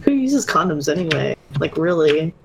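A woman's voice: deep voice, very animated, normal speed, creaky, a crowd in the background. A woman co-hosting a podcast, chatting playfully and mocking herself. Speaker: podcast co-host. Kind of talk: casual chat.

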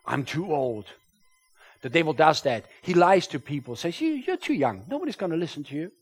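A man whose first language is German, preaching a sermon to a congregation, his voice rising loud when he quotes scripture. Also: on the high side, big pitch swings, brisk, slightly rough. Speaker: pastor. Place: church.

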